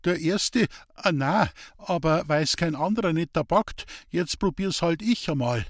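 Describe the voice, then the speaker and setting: A man voicing a simple, earnest peasant woodcutter in Bavarian dialect, in an audiobook, husky and pleading. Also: a little high, lively intonation, unhurried, no echo, studio quality, pitched above the performer's own voice. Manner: eager, pleading, naive. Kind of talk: audiobook character voice.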